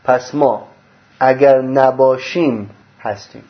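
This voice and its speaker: A man giving a mystical religious lecture, explaining a diagram and asking rhetorical questions that he answers himself, swinging between loud bursts and low murmurs. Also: fairly even intonation. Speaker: religious teacher. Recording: dull lo-fi recording.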